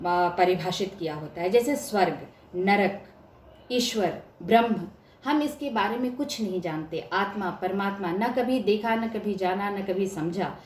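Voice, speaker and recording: A woman lecturer talks through a lesson at an even, mid-height pitch, leaning on key words as she gives examples. Her voice rings in an echoey room over a faint hiss. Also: measured pace. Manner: explanatory, stresses words to show examples. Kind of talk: academic lecture.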